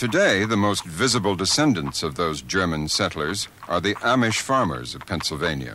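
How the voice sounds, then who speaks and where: A man with a very deep, low pitch swings his voice very widely, speaking at a moderate pace with hardly any pauses against noticeable background noise. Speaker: documentary host. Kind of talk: documentary narration.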